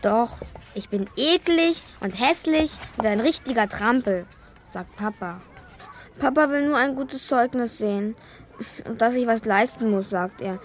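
A woman's voice: fairly high pitch, expressive, unhurried. A woman playing a withdrawn, self-loathing schoolgirl in a children's radio play, bitter and self-deprecating. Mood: bitter, dejected.

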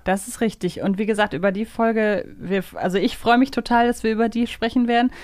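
A woman's voice: on the high side, fairly even intonation, a little fast, a little mellow, dry recording, clean studio sound. A woman hosting a podcast, chatting casually and enthusiastically, thinking aloud in long winding sentences. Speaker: podcast host. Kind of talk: casual fan chat and quiz banter.

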